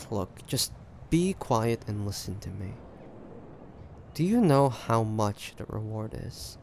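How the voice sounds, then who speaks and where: A man playing an ambitious, shrewd pirate captain in an audio roleplay, taunting the listener in a deliberate, conspiratorial way. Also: lowish voice, very animated, a little mellow, a little hiss or hum, exaggerated voice. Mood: calculating persuasion. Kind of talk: roleplay audio drama monologue addressed to listener.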